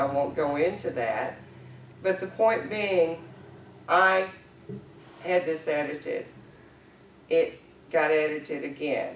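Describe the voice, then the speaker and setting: A woman with a fairly low pitch and ordinary pitch variation speaks at a fairly slow pace with long, frequent pauses, over light background noise and audible room echo. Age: 60s. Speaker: author. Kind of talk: talk to audience. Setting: stage with audience. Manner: interactive. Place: meeting room.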